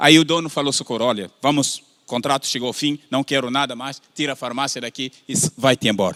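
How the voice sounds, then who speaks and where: A man with a non-native accent talks at a fairly quick pace with hardly any pauses, medium pitch, fairly even intonation and big swings in loudness, in a dry, close recording with no echo. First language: not Portuguese (speaking Portuguese). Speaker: missionary preacher. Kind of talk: sermon.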